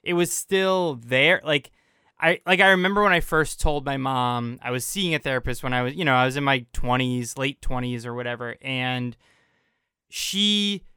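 A man's voice: mid-range voice, moderate pace, sharp tone, smooth, dry recording, studio quality. A man talking in a casual, reflective way, using lots of "like" as fillers. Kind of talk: casual conversation.

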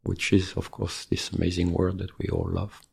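French man, pastry chef guest, gravelly low voice, hesitant delivery. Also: monotone, normal speed, darkish tone. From France, Normandy. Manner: hesitant, many filler sounds. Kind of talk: relaxed interview answers. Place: venue on a city pier.

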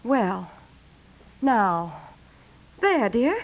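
A fussy but sweet housewife in a vintage radio comedy. Her voice is high, and she presses her point with gentle insistence. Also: sing-song, extremely slow, heavily acted, low-quality recording. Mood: apologetic, agreeable. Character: particular, sweetly insistent middle-aged housewife. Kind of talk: 1950s radio comedy acting. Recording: vintage 1950s radio recording.

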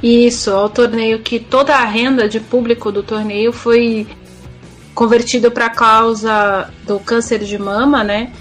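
A Brazilian woman chats casually as a sports podcast commentator. Her voice sits a little high, with faint music behind her. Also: level tone, unhurried.

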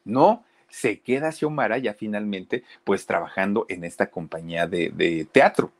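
A man's voice: lowish voice, measured pace. A man casually telling a story, chatting directly to his listeners. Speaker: storyteller host.

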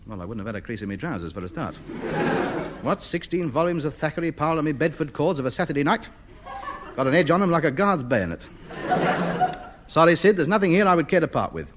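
A pompous windbag. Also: male voice, fairly high pitch, very animated, a little fast, long pauses. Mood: boastful. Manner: grandiose, lecturing, indignant. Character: pompous, self-important man who puts on airs. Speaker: lead character. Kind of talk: 1950s radio sitcom acting. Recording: scratchy old radio broadcast.

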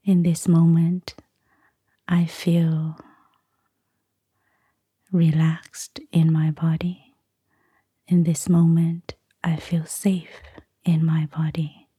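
A woman speaking in a soft, breathy near-whisper, calmly and soothingly guiding a meditation. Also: sits low, dry recording, clean studio sound. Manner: calm, slow, soothing. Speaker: Buddhist nun, meditation guide. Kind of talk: soft-spoken guided meditation.

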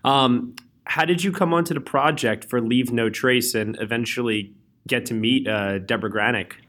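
A man's voice: mid-range voice, moderate pace, fairly bright tone. Guy interviewer, friendly, lots of uhs and ums, mid voice. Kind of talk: interview questions.

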